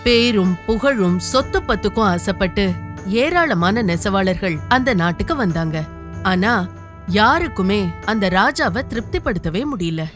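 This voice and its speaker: Animated woman narrating a children's folktale. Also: mid-range voice, measured pace. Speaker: storyteller, narrator. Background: music.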